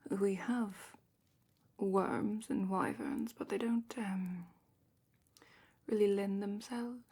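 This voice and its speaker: In a whispered ASMR roleplay, a woman plays a calm, probing examiner at a dragon academy. Her mid-range voice comes as a soft, breathy whisper, slow and deliberate with thoughtful pauses.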